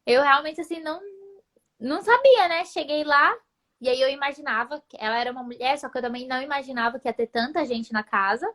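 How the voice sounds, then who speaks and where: A young woman talks casually, telling her stories with lively animation. Her voice sits high and bright, and it leaps even higher when the story gets dramatic. The tone stays chatty and relaxed throughout. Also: quick pace. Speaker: guest. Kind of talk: casual chat.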